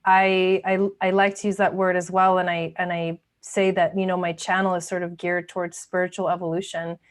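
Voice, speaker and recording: A woman's voice: on the low side, flat delivery, moderate pace. A woman from Argentina hosting a casual interview over a video call, hesitant and often restarting her sentences. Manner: hesitant, with many restarts and fillers. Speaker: host.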